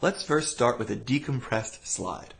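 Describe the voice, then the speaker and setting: A man teaching a voice lesson, calmly explaining vocal exercises step by step. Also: mid-range voice, a little slow. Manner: calm, clear step-by-step explaining with sung demonstration sounds. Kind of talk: instructional voice lesson.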